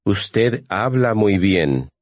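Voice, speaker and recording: A man modeling short phrases in a language course, saying each one slowly and clearly for learners to repeat. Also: lowish voice, big pitch swings, no room sound. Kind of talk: slow, careful phrase repetition.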